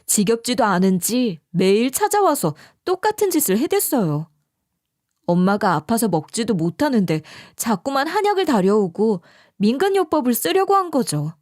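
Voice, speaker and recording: A woman's voice: on the high side, darkish tone, dry recording, studio quality. A woman narrating a first-person story in a scripted, emotional storytelling style.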